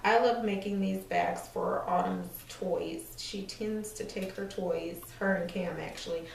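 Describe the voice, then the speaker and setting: Brief: thirties woman, a little hoarse, casual step-by-step craft host, recorded at a distance in a roomy space. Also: mid-range voice, unhurried, slight background noise. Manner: relaxed, chatty step-by-step explaining with fillers. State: slightly hoarse, losing her voice. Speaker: sewing tutorial host. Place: small room indoors at an ironing board. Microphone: far camera. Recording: echoey room, mic far off.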